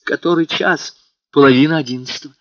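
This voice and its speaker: A man reading aloud and voicing an eager, excitable young man who insists on his innocence in a rushing, breathless way. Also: on the high side, no room sound, voice pushed up, natural voice. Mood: excited. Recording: dull, slightly muffled, dry.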